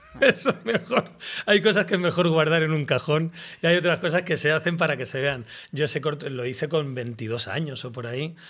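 Intonation rises and falls in a lively way. The pace is fairly quick. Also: man. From Canary Islands. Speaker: actor. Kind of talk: casual interview. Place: studio. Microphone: studio mic.

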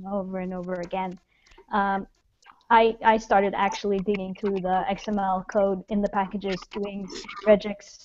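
The speech has a monotone, flat intonation. The sound is dry with no echo, and there is light background noise. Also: woman. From Norway. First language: Norwegian. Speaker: BI developer. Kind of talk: video call panel discussion. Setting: video call. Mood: cheerful, relaxed. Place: home room. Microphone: video call.

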